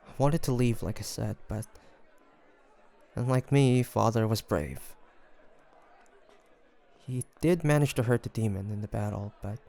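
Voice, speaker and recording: A man's voice: on the low side, creaky, darkish tone. A man playing a young demon hunter in an audio roleplay, flustered and haunted, speaking in hesitant, stammering phrases. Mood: pained, sorrowful. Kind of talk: scripted audio roleplay monologue.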